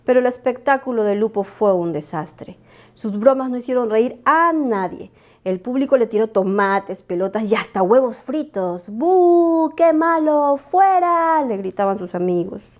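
A woman reading a children's bedtime story aloud, expressive and animated. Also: medium pitch, moderate pace.

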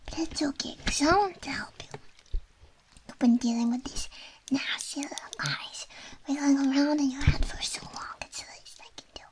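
A woman in a whispered role-play as a quirky, soothing, slightly shady surgeon, talking gently and playfully as if giving personal attention. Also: high voice, normal speed, low-quality recording. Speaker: ASMR performer playing a doctor.

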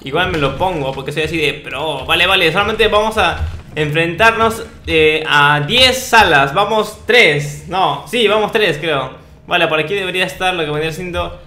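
A young man with a high, bright voice commentates casually over a video game. He talks in playful slang and boasts in jest. The sound is roomy and echoey. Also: normal speed. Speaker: gaming video host. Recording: roomy echo, faint noise, clicks.

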